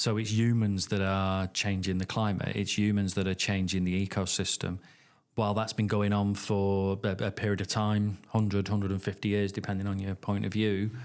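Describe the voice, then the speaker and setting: A man with a fairly low pitch talks at a moderate pace in a northern English accent, his intonation monotone and flat. The recording is very clean, with a silent background. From Northern England. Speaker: academic researcher. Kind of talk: podcast interview answer. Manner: hesitant, thoughtful.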